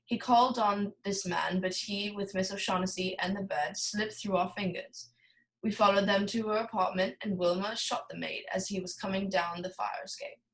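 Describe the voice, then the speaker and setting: A woman's voice: medium pitch, steady tone, normal speed, lightly acted, rough recording. A woman playing a genteel, scheming male crime boss with pompous, formal, theatrical speech in a noir radio play. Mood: measured, explanatory.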